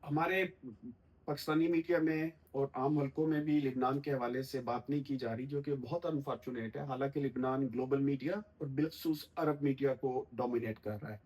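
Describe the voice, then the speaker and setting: A middle-aged man speaks in an interview as a political commentator. His delivery is measured and formal, and he pauses often with a soft "uh" as he builds his argument. His voice sits at an ordinary middle pitch. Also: fairly even intonation, low-quality recording.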